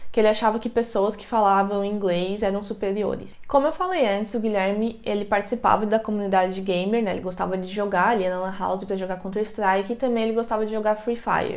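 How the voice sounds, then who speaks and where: A woman speaks very fast at a medium pitch, with fairly even intonation and hardly any pauses. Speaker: true crime youtuber. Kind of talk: true crime narration. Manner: casual conversational.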